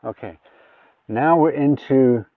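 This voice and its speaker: A man with a mid-pitched voice walks through a gadget in a casual, hands-on demo. He talks informally, explaining each step as he goes. The sound is thin and phone-like, with his voice a little away from the mic. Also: slow pace, dry recording, recorded from a distance. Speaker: gadget reviewer. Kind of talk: casual hands-on product demonstration.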